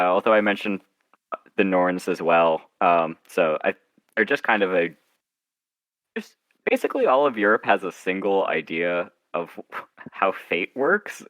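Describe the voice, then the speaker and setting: A man's voice: deep voice, fairly bright tone, no echo, poor audio. A man speaking casually as a guest author in an interview, with a wry, self-deprecating way of joking. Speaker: guest author discussing own story.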